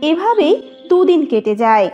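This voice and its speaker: High-pitched, animated woman narrator. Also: unhurried, muffled recording, soft background music. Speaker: cartoon narrator. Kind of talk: scripted children's story narration.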